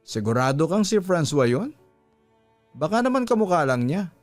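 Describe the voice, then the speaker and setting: A man's voice: on the high side, big pitch swings, moderate pace, no echo, soft background music, voice pushed up. Man acting a hurt, jealous betrayed spouse. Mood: disbelieving, hurt.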